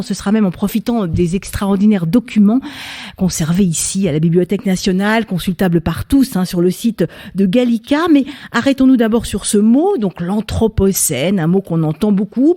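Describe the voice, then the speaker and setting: A woman's voice: mid-range voice, dark tone. A woman moderating a public science debate, presenting her guests and topic with frequent fillers. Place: French national library event.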